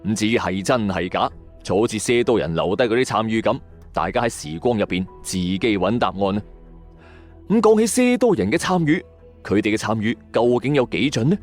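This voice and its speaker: A man's voice: lowish voice, animated, brisk, soft background music. A man with a Hong Kong Cantonese accent narrates scripted mystery tales as a channel host, using colloquial asides and rhetorical questions.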